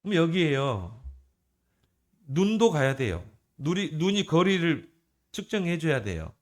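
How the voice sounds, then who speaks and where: Male pastor, fairly high voice, conversational sermon with rhetorical questions. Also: very animated, measured pace. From South Korea. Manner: conversational preaching with rhetorical questions and shifting emphasis.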